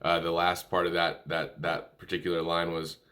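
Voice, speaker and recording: A man giving an informal music lesson, calling out notes in a halting, easygoing way and correcting himself as he goes. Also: deep voice, monotone, fairly bright tone. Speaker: music tutorial instructor. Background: musical instrument playing between and under phrases.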